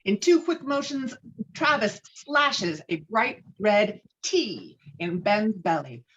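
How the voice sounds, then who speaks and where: A woman's voice: medium pitch, sing-song, slow, fairly bright tone. A woman reading stage directions as the narrator of a dramatic script table read. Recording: dull, lo-fi call audio.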